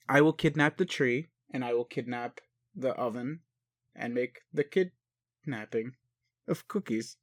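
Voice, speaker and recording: A man playing a bemused, gentle and naive male alien caregiver in an intimate roleplay audio, speaking hesitantly and haltingly. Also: mid-range voice, dry recording, clean studio sound. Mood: playfully scheming. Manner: hesitant, puzzled, halting, sighing. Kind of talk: intimate one-sided roleplay audio acting.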